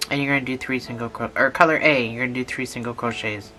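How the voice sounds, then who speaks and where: Bright-voiced tutor with a cold, slow patient step by step talk, soft music underneath. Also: medium pitch, steady tone. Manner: patient, repetitive instructions. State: has a cold, losing voice. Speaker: instructor.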